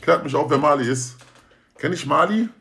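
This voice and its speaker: A man's voice: on the high side, lively intonation, normal speed, gravelly, a bit bright. A young man talking casually to viewers on a livestream, slangy and joking, often swearing oaths. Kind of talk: casual stream chat.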